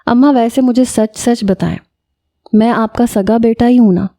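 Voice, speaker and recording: A woman's voice: a little high, mellow, dry recording, studio quality, lightly acted. Woman playing a teasing young man cousin. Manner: playful, mock-complaining.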